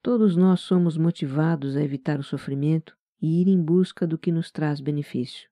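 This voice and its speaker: With a Brazilian accent, a mid-range voice of very dark, velvety tone guides a meditation at a moderate pace. It sounds like scripted relaxation narration, soft-spoken, gentle and calm. The recording is close and dry, free of room sound.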